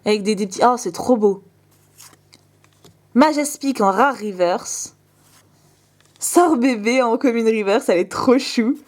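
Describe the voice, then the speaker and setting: A young woman with a fairly high voice chats casually to her viewers as she opens fan mail. She gushes over each item with quick exclamations and little asides to the camera. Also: a little mellow. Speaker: vlogger opening fan mail. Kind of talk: casual unboxing chat.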